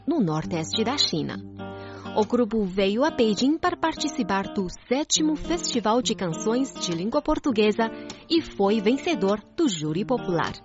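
A woman hosting a radio program, introducing the show and a guest band in a clear broadcast manner. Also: medium pitch. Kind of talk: program intro and interview questions. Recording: dull muffled audio with music behind.

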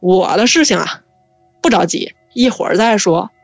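Kindly calm great-grandfather, soothing, woman storyteller voicing him, close dry sound. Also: medium pitch, normal speed, creaky, no room sound, faint music behind. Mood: reassuring. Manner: soothing, reassuring.

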